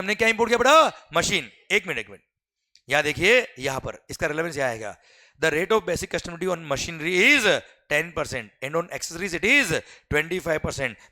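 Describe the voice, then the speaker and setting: Give me a high, bright-voiced Indian male teacher lecturing lively students. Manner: addresses students as beta, keeps asking "clear?"; reads English questions out slowly.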